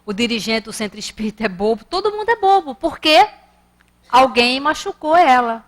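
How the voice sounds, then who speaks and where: A woman's voice: high-pitched, big pitch swings, normal speed. Brazilian woman giving a spiritist lecture. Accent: Rio de Janeiro Portuguese. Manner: conversational, acts out children and staff in her stories.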